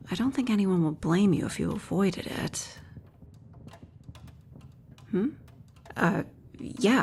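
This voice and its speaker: A woman's voice: mid-range voice, slight background noise. A woman playing a friendly jeweler and rebel ally in a fantasy audio roleplay, speaking in a casual, conversational way.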